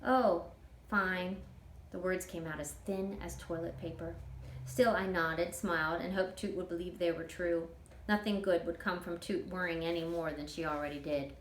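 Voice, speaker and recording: Female storyteller for children's fiction, expressive read-aloud, somewhat low voice, recorded with noticeable room echo. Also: normal speed. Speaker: author reading her novel aloud. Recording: roomy echo, clear background noise.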